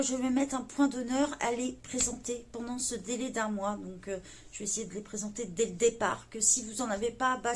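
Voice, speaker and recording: A woman hosting a coloring channel, talking to viewers in a hesitant, earnest way with many pauses and fillers. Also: a little high, a little hiss or hum. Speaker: YouTube coloring channel host. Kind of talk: casual video address to viewers.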